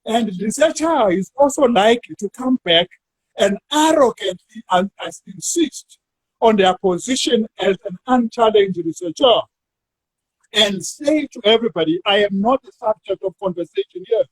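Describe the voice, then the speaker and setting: A South African man, a university academic, talking through an academic discussion in a measured way and drawing words out while he thinks. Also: sits high, animated, husky, no echo, low-quality recording.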